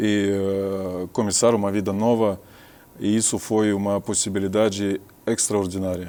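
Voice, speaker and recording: A man's fairly low, dark, mellow voice, fairly slow and monotone with flat intonation. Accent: Russian. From Russia. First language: Russian (speaking Portuguese). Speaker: recovering addict, former translator. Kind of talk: interview. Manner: halting, many fillers.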